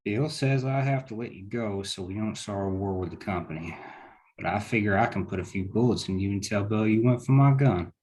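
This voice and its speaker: A man's voice: lowish voice, brisk, a little mellow, natural voice. A man playing a hard, vengeful small-town lawman in a script read, speaking bluntly and with menace. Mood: cold, threatening. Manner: gruff, blunt, threatening talk.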